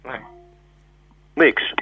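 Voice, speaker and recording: A man's voice: very slow, faint music behind. An actor playing a bewildered man on a bad landline phone call, who keeps saying hello and insists he hears nothing. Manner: keeps asking hallo, answers no while replying. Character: bewildered man on a crackly phone line, claims to be a clown. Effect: heard over a bad landline phone. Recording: thin phone line with faint hiss.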